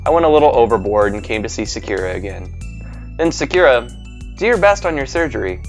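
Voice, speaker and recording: A man's voice: medium pitch, brisk. A young man hosting a casual game video, reading the lines aloud and laughing self-consciously. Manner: giggly, self-conscious and animated. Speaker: gaming video host. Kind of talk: casual let's-play commentary and reading aloud. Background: faint game music.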